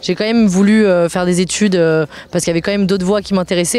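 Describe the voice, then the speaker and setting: A woman talks at a very fast pace. Her pitch is fairly low, with fairly even intonation. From southern France, Marseille. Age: 20s. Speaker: military trainee. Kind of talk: interview.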